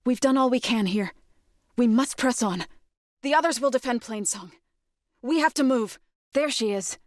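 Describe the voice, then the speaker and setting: Woman playing earnest young tribal warrior woman for a video game, grave n solemn, measured phrasing, real dry recording. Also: on the high side, animated, dry recording, close to an everyday voice. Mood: urgent, alert. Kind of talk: video game character voice acting.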